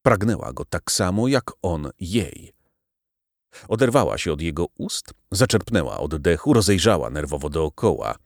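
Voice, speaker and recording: A man reading a novel aloud as audiobook narrator, dramatic and expressive. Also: sits low, normal speed, creaky, no room sound, clean studio sound. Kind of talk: scripted narration.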